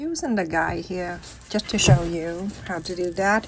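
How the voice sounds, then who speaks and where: A woman's plain, everyday voice, medium in pitch, with ordinary pitch variation. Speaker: sewing tutorial creator. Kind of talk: tutorial.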